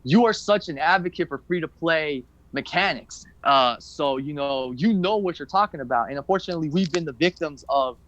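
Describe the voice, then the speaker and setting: A man's voice: fairly high pitch, brisk, hardly any pauses, fairly bright tone, no room sound, lo-fi sound. A man hosting a podcast, talking casually in a rambling, loose way with fillers and the odd swear word. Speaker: podcast host.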